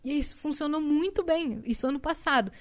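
A young woman guest on a podcast in a studio, telling lively stories and laughing often. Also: high voice, brisk. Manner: lively storyteller, laughs a lot. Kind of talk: casual podcast chat.

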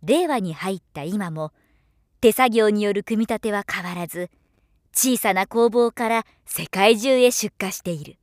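A middle-aged woman voiceover professional reading scripted narration with polished, clearly articulated delivery. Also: medium pitch, unhurried, no echo. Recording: dry studio voice recording.

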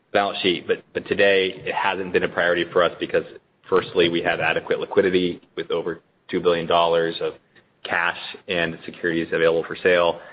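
Low flat guy doing finance answers on an earnings call, halting, repeats himself, muffled line. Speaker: company finance executive. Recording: dull lo-fi conference call audio.

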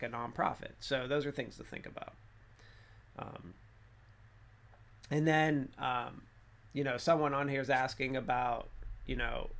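A man's voice: mid-range voice, creaky, a bit bright. A man giving casual, rambling advice to viewers about instructional design, with lots of fillers and restarts. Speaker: instructional design host answering viewer questions.

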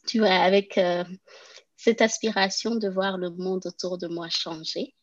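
A woman from Rwanda, in her thirties, telling her story as a podcast guest in an earnest, hesitant way with many pauses and fillers. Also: lowish voice, steady tone, no room sound. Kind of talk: personal interview. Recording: dull lo-fi podcast recording.

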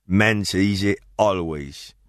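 A man's voice: low-pitched, drawn-out words, fairly bright tone, no room sound, studio quality. A man with an Argentine Rioplatense accent performing a comedy sketch, correcting pronunciation in a fussy, exasperated way. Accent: Argentine Rioplatense Spanish.

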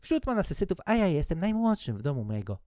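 A man's voice: a little high, very animated, quick pace, darkish tone, no room sound, clean studio sound. A man voicing a humble, hesitant young man who keeps apologizing and doubting himself.

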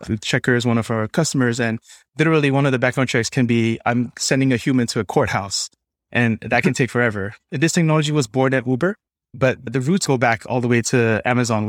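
A man's voice: medium pitch, no echo, studio quality. A man from Singapore speaking as a podcast guest, explaining tech in a conversational interview style. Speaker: podcast guest, developer experience lead.

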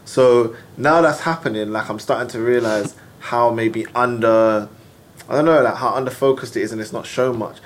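A man's voice: mid-range voice, fairly even intonation, moderate pace. A young man hosting a podcast, talking in a laid-back, slangy way full of fillers. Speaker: podcast host. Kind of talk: casual interview chat.

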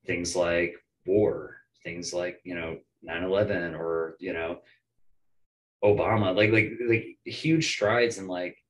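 An American man in his twenties, a musician guest on a podcast, talking in an animated, emphatic way and swearing casually. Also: deep voice, takes it slowly. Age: 20s.

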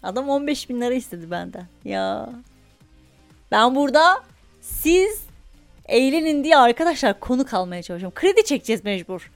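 A young woman hosting a podcast, telling a story in a chatty, animated way and laughing often. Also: high-pitched, normal speed, soft background music. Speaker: podcast host. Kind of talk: casual storytelling monologue.

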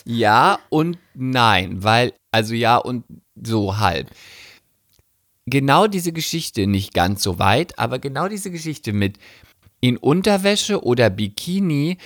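A woman's voice: a bass voice, very animated, takes it slowly, no echo, clean studio sound. A woman co-hosting a casual podcast, blunt, teasing and sarcastic. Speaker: podcast co-host. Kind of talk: casual chat.

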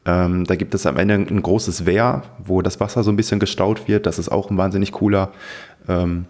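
A man's voice: sits low, fairly even intonation, moderate pace, darkish tone. A man from the Ruhr area of Germany chatting casually as a podcast co-host. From Witten, Ruhr area, Germany.

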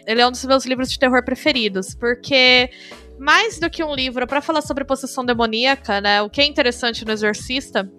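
A woman's voice: sits high, brisk, pushed and bright, soft background music. A Brazilian woman hosting a podcast, chatting in an enthusiastic, explanatory way. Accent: Brazilian Portuguese. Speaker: podcast host. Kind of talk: casual podcast chat.

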